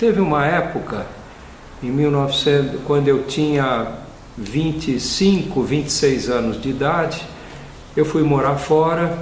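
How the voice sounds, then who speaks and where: Against noticeable background noise and audible room echo, a man with a fairly high pitch speaks at a fairly slow pace, with ordinary pitch variation and long, frequent pauses. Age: 60s. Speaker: lawyer and spearfisherman sharing a near-death experience. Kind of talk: personal testimony. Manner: hesitant, with self-corrections.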